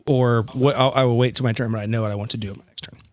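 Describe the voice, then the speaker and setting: A man's voice: medium pitch, fairly even intonation, racing, no echo, studio quality. A man chatting casually as a tabletop player, rambling and informal as he talks.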